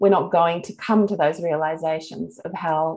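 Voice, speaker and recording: The background stays quiet. A woman talks fairly slowly. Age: 50s. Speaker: menopause and trauma release practitioner. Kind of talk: guided session; interview.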